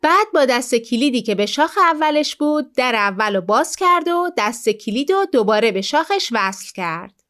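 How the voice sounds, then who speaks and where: A woman's voice: fairly high pitch, expressive, a bit bright. Woman telling a children's story. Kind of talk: storybook narration.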